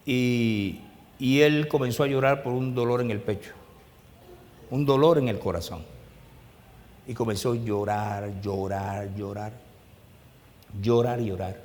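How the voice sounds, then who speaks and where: A male pastor preaching a sermon, telling a story in a hushed voice and then rising to loud, emphatic preaching. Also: medium pitch, a little slow, pauses often, in a large hall. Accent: Latin American Spanish. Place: church hall.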